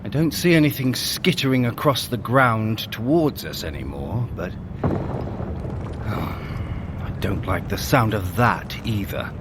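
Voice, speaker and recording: A man playing a quick-witted, scheming god in an audio drama, sardonic, urgent and commanding in manner. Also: on the low side, animated, very noisy. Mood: tense. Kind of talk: audio drama acting for a fitness adventure.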